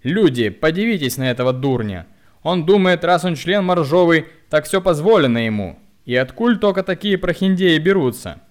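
A man's voice: on the high side, lively intonation, moderate pace, pitched above the performer's own voice, lightly acted. Man doing a screeching foul-mouthed old woman. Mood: screeching abuse. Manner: shrieking, coarse and brazen. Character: shabby quarrelsome old woman in a bread queue, screeching.

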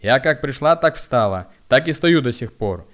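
A man's voice: mid-range voice, animated, normal speed, a bit bright, voice pushed up, natural voice. A man voicing a shabby, quarrelsome old woman in a bread queue who shrieks coarse insults. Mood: shrill.

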